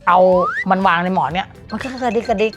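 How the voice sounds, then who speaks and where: A woman's voice: medium pitch, fast talker, music in the background. A woman guest in casual chat, telling personal stories in a blunt, crude way.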